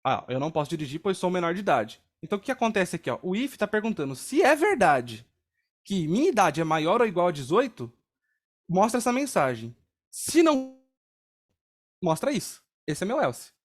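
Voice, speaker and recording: A young man with a Brazilian Portuguese accent leads an online programming class. His voice sits high for a man. He talks casually and explains each step, often pausing to ask whether students are following. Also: big pitch swings. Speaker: programming instructor. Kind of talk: live coding class.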